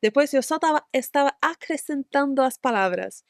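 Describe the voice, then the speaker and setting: A young woman, not a native Portuguese speaker, talks in a casual interview, often pausing and searching for words. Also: high-pitched, animated, dry recording, studio quality. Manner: hesitant, searching for words, many fillers. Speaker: guest entrepreneur.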